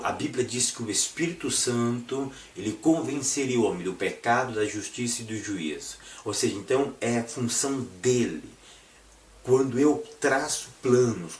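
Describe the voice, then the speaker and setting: A Brazilian man with a hoarse, congested, sore-throat voice teaching an informal Bible lesson in a didactic way, posing rhetorical questions. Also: mid-range voice. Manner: didactic, repeats phrases and poses rhetorical questions with check-in tags. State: hoarse, congested voice from flu and an inflamed, swollen throat. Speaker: Bible school teacher and preacher. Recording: echoey room, distant mic, faint noise.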